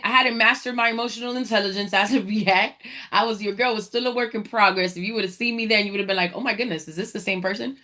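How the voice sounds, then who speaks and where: Energetic preacherly woman host. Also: mid-range voice. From Dominican Republic. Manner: energetic, preacherly, talks to audience as y'all. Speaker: podcast host, entrepreneur. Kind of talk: motivational faith talk.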